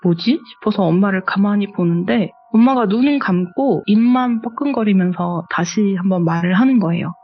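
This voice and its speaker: A woman with a husky, slightly breathy voice recounts a true ghost story in plain, conversational speech as the guest on a horror radio show. The sound is a little dull and muffled, with faint music underneath. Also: mid-range voice, moderate pace, few pauses. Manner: conversational, matter-of-fact retelling.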